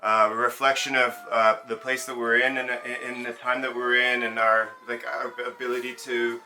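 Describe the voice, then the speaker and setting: A man's voice: medium pitch, little pitch movement, a little fast, sharp tone, recorded from a distance, a little hiss or hum, low-quality recording. A man born in Zambia who works as a burlesque and cabaret performer, speaking reflectively in a documentary interview and often restarting his sentences as he searches for words.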